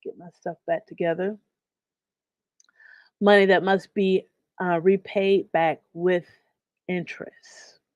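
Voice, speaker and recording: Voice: mid-range voice, level tone, slow, pauses often, no echo. A livestream host teaches business finance in an easygoing, conversational way and stops to greet viewers in the chat by name. The voice is a little nasal from a lingering cold. The sound is dry and a bit dull and lo-fi. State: getting over a cold, slightly nasal. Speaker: host of a live online business series. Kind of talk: live-streamed business lesson.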